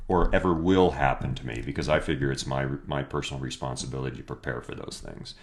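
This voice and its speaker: A man with a notably low, deep voice that his wife calls a radio voice. He speaks slowly and haltingly, with frequent fillers and restarts, in a relaxed conversation. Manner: hesitant, many fillers and restarts. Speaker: guest spouse. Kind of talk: casual conversation.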